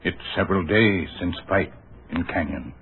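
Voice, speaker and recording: An actor playing a stoic, gentle Native American companion in a 1940s radio drama, speaking in slow broken phrases. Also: male voice, low-pitched, creaky, slightly rough, exaggerated voice. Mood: calm. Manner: slow broken clipped speech. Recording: tinny lo-fi old radio broadcast.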